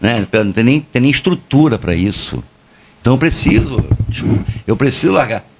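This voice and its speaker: Through noticeable background noise, a man with a medium pitch talks at a moderate pace with lively intonation and very even loudness. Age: 50s. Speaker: senior pastor and writer. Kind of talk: podcast interview, casual preaching talk. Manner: animated.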